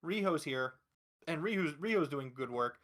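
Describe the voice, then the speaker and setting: This podcast host has a fairly high, fairly bright voice and an animated delivery at a normal pace. He talks wrestling in a casual, emphatic way, voicing strong opinions and swearing frequently.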